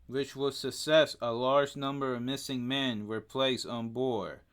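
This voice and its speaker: Man, Spanish accent, podcast co-host, very slow halting reading, stumbles on names, smooth clear voice. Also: mid-range voice, fairly even intonation, fairly bright tone. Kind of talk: casual podcast chat, reading out facts.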